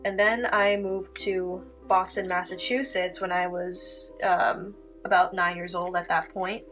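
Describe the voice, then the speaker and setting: A woman's voice: on the low side, little pitch movement, a little slow, a bit bright. A young woman, a native Italian speaker from Canada, chatting casually through a painting tutorial with lots of "like" and "um.". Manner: chatty, heavy filler words, giggly asides. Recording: faint music behind.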